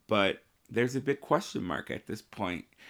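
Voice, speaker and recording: The speech, with an American accent, shows ordinary pitch variation. The recording is very clean, with a silent background. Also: man. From Indiana, US Midwest. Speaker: opera singer and doctoral student. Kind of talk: interview monologue. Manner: halting.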